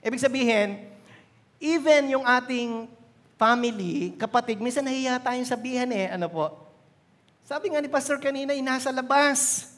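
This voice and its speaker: A man preaching in a church, his voice pitched very high. He tells a personal testimony with deep feeling and addresses the congregation politely. The hall's long reverb trails behind every phrase. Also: moderate pace, a bit bright. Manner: emotional storytelling, polite address with "ho" and "po". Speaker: pastor. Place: church hall.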